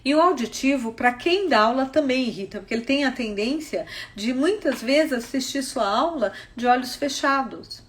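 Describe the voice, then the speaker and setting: A woman's voice: high voice, lively intonation, normal speed, hardly any pauses. A woman with a Brazilian Portuguese accent giving a live-streamed teaching talk on vocational guidance. She explains step by step and keeps checking in with her listeners. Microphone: phone on a social media live stream.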